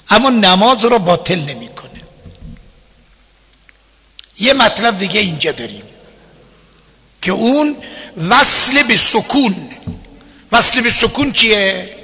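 A man's voice: high-pitched, vocal fry, pushed and bright, breathy edge. A man giving an explanatory lesson on Quran recitation rules as a religious teacher, chanting verses between his explanations. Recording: long hall reverb.

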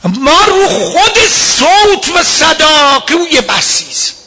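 A man giving a religious lecture as a cleric, emphatic and at times rising to a shout. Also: extremely high pitch, very animated, background noise.

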